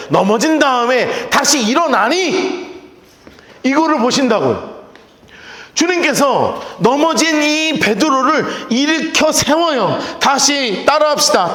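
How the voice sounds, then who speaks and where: A man's voice: very high voice, a bit bright. A man preaching a sermon as pastor, asking the congregation questions and acting out the voices he quotes. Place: church sanctuary. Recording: echoey church hall with long reverb.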